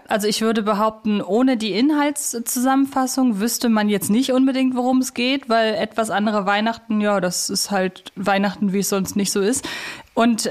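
A woman co-hosting a podcast, giving a review in casual conversation. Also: a little high. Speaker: podcast co-host. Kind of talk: casual review chat about audio drama episodes.

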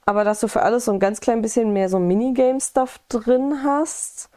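A woman's voice: a little high, moderate pace, mellow. A woman in casual, enthusiastic chat about a video game, talking freely and swearing now and then.

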